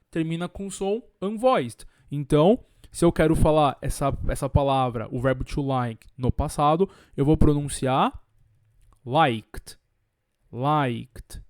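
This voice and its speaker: A man from Brazil, an English teacher explaining pronunciation to camera in a lively way, repeating example words slowly and clearly. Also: high-pitched, no room sound, clean studio sound.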